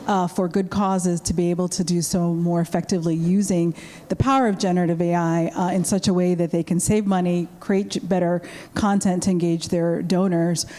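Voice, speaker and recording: A woman who teaches at a university, introducing herself on a conference panel in a gracious way with frequent filler words. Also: on the low side. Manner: warm, gracious, with many fillers. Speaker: panelist, adjunct professor.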